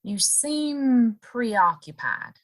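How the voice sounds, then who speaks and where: An actress playing a wistful young saloon woman in a Western audio drama, curious and hesitant, with expressive pauses. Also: on the high side, exaggerated voice. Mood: coy, probing.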